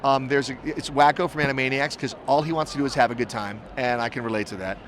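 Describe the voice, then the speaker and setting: A man's voice: mid-range voice, fairly even intonation, fast talker, a bit bright, a little hiss or hum. A man who is a voice actor, talking about his roles in a friendly, easygoing interview clip.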